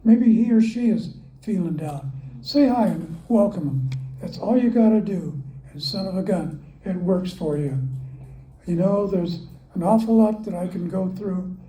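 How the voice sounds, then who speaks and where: A man's voice: high voice, unhurried, dark tone, reverberant, slight background noise, rough recording. An older man at a recovery meeting, telling his story in a folksy, self-mocking way. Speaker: AA speaker. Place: club meeting room.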